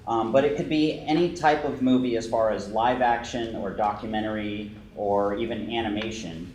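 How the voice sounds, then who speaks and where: A man's voice: on the low side, steady tone, moderate pace, darkish tone. Matter-of-fact man presenting in an echoey room. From US, Bay Area. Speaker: co-presenter, video producer. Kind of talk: prepared presentation. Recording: echoey room, faint noise.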